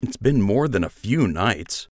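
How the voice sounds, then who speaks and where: A driven young rabbit archer , as a male narrator voices him, speaks in a low, grounded tone close to the reader's own. His replies are short, earnest and a bit sullen, with a lively rise and fall. The read is dry and close-miked. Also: a little slow, no room sound. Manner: earnest, terse, a little sullen. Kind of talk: audiobook character voice.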